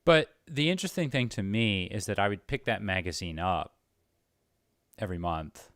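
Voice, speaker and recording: A man's voice: fairly low pitch, normal speed, fairly bright tone, dry recording, clean studio sound. A man interviewing in a casual conversational way, hesitant and often rephrasing his questions as he goes.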